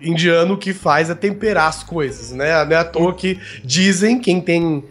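A man's voice: on the high side, moderate pace, fairly bright tone. A man with a Brazilian accent co-hosting a casual podcast, explaining things conversationally and often checking in with short tag questions. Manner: explanatory, tagging statements with "né". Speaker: podcast host. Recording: music bed under the voice. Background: background music.

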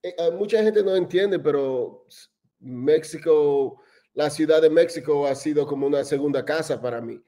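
Male director being interviewed, mellow tone, slightly high pitch, rambling casual answers with fillers. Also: moderate pace. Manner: loose, meandering answers with English fillers.

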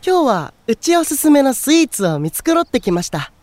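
A man's voice: very high voice, very animated, normal speed, a little mellow, dry recording. A man playing a cheerful, guileless boyish young man in a voice drama, polite and chatty. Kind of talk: Japanese voice drama acting.

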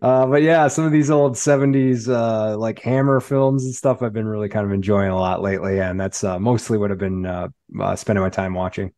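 A man who is a guest on a podcast, talking casually and haltingly with many ums and uhs. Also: fairly low pitch, fairly even intonation, a little mellow, no room sound. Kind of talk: casual chat.

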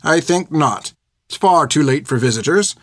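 A man's voice: fairly high pitch, animated, normal speed, dry recording, clean studio sound. A man voicing a strict, haughty older nun who speaks in a prim, clipped way. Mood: stern.

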